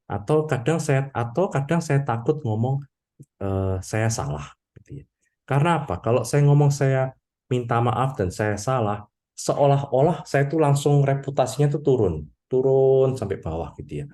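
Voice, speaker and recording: A man's voice: medium pitch, animated, normal speed, mellow. A Catholic priest preaching a conversational sermon to his congregation, talking casually and often adding small tag questions to his sentences. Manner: conversational, peppers talk with "gitu ya" and "ya toh"; addresses congregation as "Bapak Ibu".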